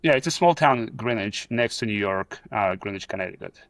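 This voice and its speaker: Low, gravelly voice with a dry, close sound. A middle-aged man with a Russian accent speaks hesitantly over a video call, full of "uh" fillers and restarts. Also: animated, fairly quick, fairly bright tone, dry recording. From Soviet Union. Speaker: guest. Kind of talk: casual video-call interview. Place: pool house.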